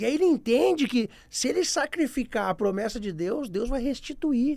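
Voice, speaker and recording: A man speaks at an extremely high pitch with lively intonation and a moderate pace. The recording is very clean, with a silent background. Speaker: pastor, podcast guest. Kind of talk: podcast interview. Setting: studio. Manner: animated, preaching style.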